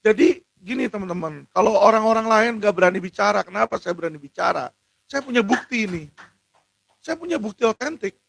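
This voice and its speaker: Indignant high-voiced man. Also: quick pace, vocal fry, no echo. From Indonesia. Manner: indignant, rising to shouts. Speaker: lawyer speaking out on legal injustice. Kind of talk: impassioned monologue to camera.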